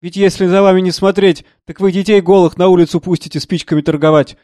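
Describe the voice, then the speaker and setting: A sneering, domineering moneyman who bullies and mocks everyone in the room, as a man reading a play puts him on. The voice sits a touch high for a man, close and completely dry. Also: steady tone, fast talker, darkish tone, no room sound, lightly acted. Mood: contemptuous. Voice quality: sneering, scornful. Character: rude domineering middle-aged man, blustering financier.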